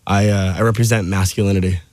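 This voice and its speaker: A man's voice: low voice, steady tone, fast talker, darkish tone, no room sound. A man in his twenties, a comedian guest in a radio studio, joking about himself and laughing often. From United States. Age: 20s. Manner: self-deprecating, laughs often. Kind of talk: casual chat.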